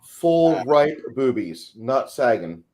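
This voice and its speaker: Dude in his 40s, regular pitch, sweary blunt cohost just chatting on stream. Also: big pitch swings, slow pace, dark tone. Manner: blunt, profane. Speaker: show co-host. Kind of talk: casual livestream chat.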